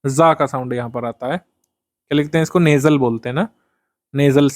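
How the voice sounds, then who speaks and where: Hindi-speaking male teacher explaining vocabulary. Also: mid-range voice. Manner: reads English definitions slowly, then explains in Hindi with fillers. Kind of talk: exam-prep vocabulary lecture.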